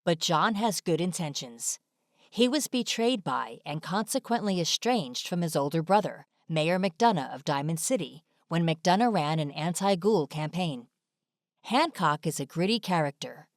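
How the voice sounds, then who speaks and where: A woman delivers scripted video narration in a fairly low voice. The sound is dry, like a studio voice-over, with no room echo. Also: lively intonation, moderate pace.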